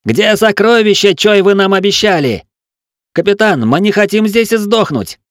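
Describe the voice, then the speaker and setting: A man voicing a panicked young male ship gunner who yells frantically in coarse speech. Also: high-pitched, lively intonation, moderate pace, no echo, studio quality, pitched above the performer's own voice. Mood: angry.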